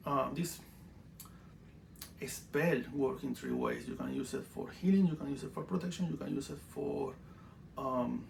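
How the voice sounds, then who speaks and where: Venezuelan guy, spanish accent, super gravelly voice, stumbles thru english w lots of uhs, kinda dry jokes. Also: on the high side, slight background noise. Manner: halting, many fillers and restarts, dry humor; broken English grammar. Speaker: spiritual teacher. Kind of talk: casual teaching monologue.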